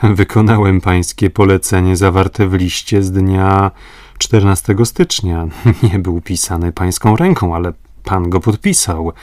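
Male reader as a calm captain, measured and deferential, low voice, dry recording. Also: dry recording, recorded from a distance. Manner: measured and respectful.

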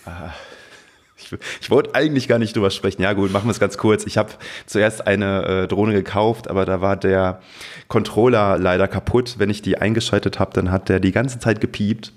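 Low-pitched, enthusiastic man chatting. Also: fairly even intonation, moderate pace. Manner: enthusiastic, informal. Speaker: podcast co-host and hobby drone pilot. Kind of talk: casual podcast chat.

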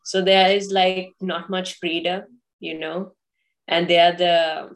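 A woman's voice: on the low side, flat delivery, takes it slowly. A woman from Sri Lanka, a podcast guest, talking in a casual and hesitant way with many fillers and restarts. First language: English. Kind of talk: casual interview talk.

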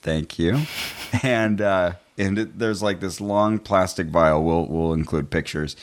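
Deep-voiced chatty male podcast host. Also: slow pace. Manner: chatty, laughs often, self-deprecating. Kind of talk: casual podcast chat.

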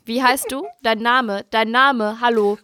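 A woman's voice: fairly high pitch, fairly even intonation, measured pace, bright, forceful tone, no room sound, studio quality. A woman playing an arrogant male film star who brushes off a fan, dismissive and condescending.

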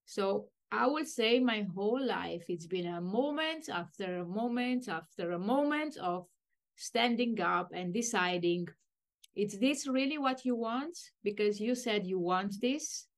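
A woman from Romania, middle-aged, telling her life story as an interview guest, reflective and halting, with phrasing and frequent restarts. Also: medium pitch, animated. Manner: reflective, non-native phrasing with many restarts.

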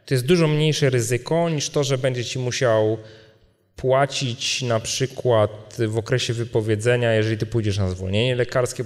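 A man's voice: medium pitch, darkish tone. Male event speaker, mid-range voice, informal and digressive, long hall reverb. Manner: digressive, often adds tag questions. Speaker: speaker answering audience questions. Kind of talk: informal question-and-answer talk. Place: event hall at a live meetup.

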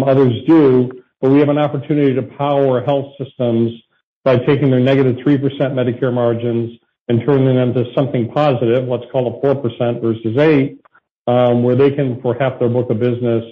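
A man speaking as a company executive, giving measured, deliberate business answers on a conference call. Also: mid-range voice. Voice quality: clears throat occasionally. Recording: narrow tinny phone conference line.

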